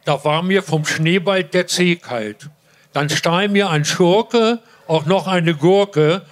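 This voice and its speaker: An older man, a grandfather, reading his limericks aloud in a slow, deliberate way. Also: high voice. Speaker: limerick reader.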